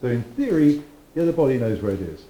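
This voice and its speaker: A man teaching a viola masterclass, coaching a student with lively encouragement and sung phrases. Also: mid-range voice, quick pace, heavy background noise. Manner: animated, sings phrases and encourages. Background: viola and piano playing.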